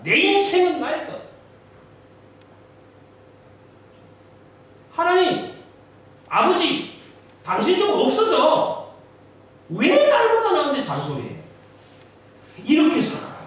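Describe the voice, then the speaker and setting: A preacher voicing a shouting, insolent prodigal son. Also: male voice. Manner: shouting, high-pitched and insolent. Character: defiant, greedy young prodigal son demanding his inheritance. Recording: booming echo in a large church, from a distant mic.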